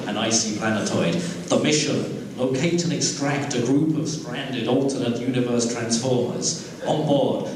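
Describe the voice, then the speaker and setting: A man narrating a science-fiction script live as a storyteller before the action. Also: mid-range voice. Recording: very echoey hall, distant mic, audience noise.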